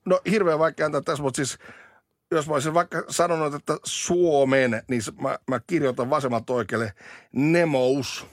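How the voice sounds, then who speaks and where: A man's voice: on the high side, no echo, studio quality. A man co-hosting a casual morning radio chat, telling stories in a chatty way. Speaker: radio co-host.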